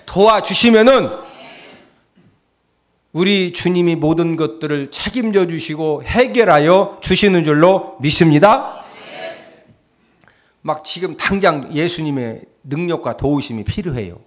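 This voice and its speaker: A man, a pastor, preaching a sermon, moving between quiet asides and loud exhortation. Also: lively intonation, a little slow, long pauses. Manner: acts out pleading cries in a low voice.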